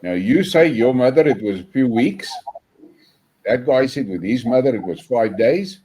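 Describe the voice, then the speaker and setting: A South African man hosting a casual interview, speaking haltingly with fillers. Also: medium pitch, expressive, warm tone, breathy edge, rough recording. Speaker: host.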